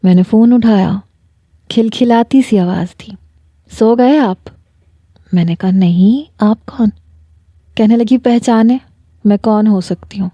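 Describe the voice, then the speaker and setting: A woman with a Pakistani Urdu accent tells a first-person love story in an even storytelling voice. Her tone is deep and mellow, with no brightness. The recording is dry and close, with no room sound. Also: no room sound, dull audio. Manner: reads a first-person romance, voicing a young man and his fiancée in the same voice. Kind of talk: scripted narration.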